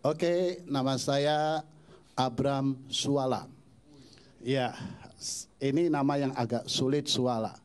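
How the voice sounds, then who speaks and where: A pastor performing stand-up comedy, telling self-mocking jokes in a deadpan way. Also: male voice, medium pitch, slow pace, pauses often. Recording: live stage with loud audience.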